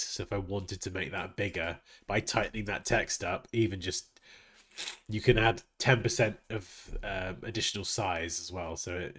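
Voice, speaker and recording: Talking through a live design session, this livestream host muses aloud in a relaxed, chatty way. He has a deep, slightly rough voice with a touch of brightness, and a stuffed-up nose makes him sound nasal and sniffly.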